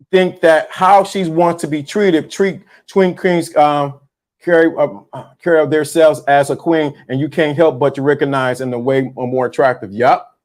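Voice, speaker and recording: A man with a slightly high voice hosts a live stream, giving animated, slangy casual commentary that wanders loosely and often repeats itself.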